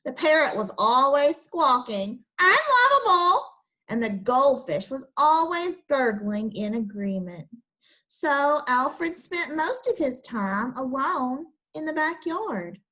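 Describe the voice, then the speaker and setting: A woman's voice: high-pitched, expressive, takes it slowly, fairly bright tone, poor audio. A woman teacher explaining a lesson step by step to children, then reading a picture book aloud.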